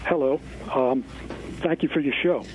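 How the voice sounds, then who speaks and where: A man calling in to a radio show over a clipped phone line, asking his question politely and hesitantly with soft fillers. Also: medium pitch, normal speed. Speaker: radio call-in caller. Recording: dull phone line with faint hiss.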